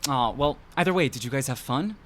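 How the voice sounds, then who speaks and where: A man's voice: mid-range voice, animated, fairly quick, a bit bright, close to an everyday voice. A man playing a nosy, playful young coffee shop worker in casual audio drama dialogue.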